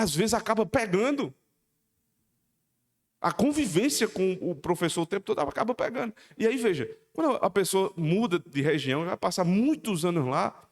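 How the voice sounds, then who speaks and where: Paraíba-accented pastor man preaching, voice swings up and down a lot, long church reverb. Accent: Paraíba Brazilian Portuguese. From Paraíba, Brazil. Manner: emphatic, exhorting, lively pitch swings. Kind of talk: sermon. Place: church hall.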